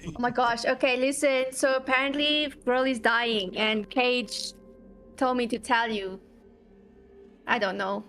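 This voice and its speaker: A woman with a high voice plays a tabletop game. She sounds whiny and exasperated as she trades lines with the other players. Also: steady tone, unhurried, a bit bright, faint music behind. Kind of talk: casual tabletop play.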